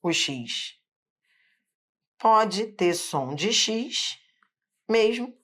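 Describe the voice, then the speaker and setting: A woman from Rio de Janeiro with a Carioca Brazilian Portuguese accent patiently walks through an online phonetics lesson at a board, step by step. Her voice is medium-pitched and a bit bright, with lively intonation and drawn-out words.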